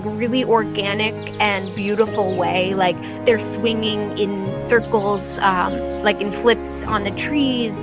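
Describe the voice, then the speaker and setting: A woman game master improvising tabletop adventure narration in an animated, informal way. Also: fairly high pitch.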